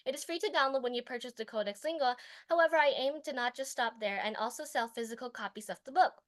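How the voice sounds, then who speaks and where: A young teenage girl with a fairly high voice speaks to a competition panel. She recites her prepared pitch, then fields questions with earnest pauses and fillers. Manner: delivers a memorized pitch, then answers judges with hesitant fillers. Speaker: student presenter.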